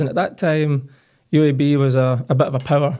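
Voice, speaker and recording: This man's voice has a fairly high pitch, a dark, mellow tone and fairly even intonation. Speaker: college soccer head coach. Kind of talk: podcast interview.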